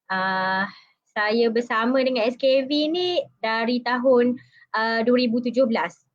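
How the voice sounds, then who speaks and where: Malaysian malay woman around 30, giggly, kinda high voice, dull lo-fi sound. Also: fairly even intonation, unhurried. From Kelantan, Malaysia. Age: about 30. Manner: giggly, hesitant. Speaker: interview guest.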